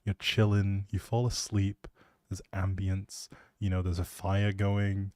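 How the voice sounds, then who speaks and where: A man's voice: deep voice, completely flat delivery, slow pace, a little mellow, no room sound, studio quality. A young man rambling casually on a game livestream, playful and jokey as he chats back to viewers. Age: young adult. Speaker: live streamer and audio creator.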